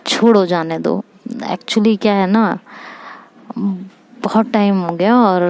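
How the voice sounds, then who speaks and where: A woman's voice: mid-range voice, gravelly, dark tone. A woman voicing a bossy, teasing young woman friend who talks in a breezy, coaxing way.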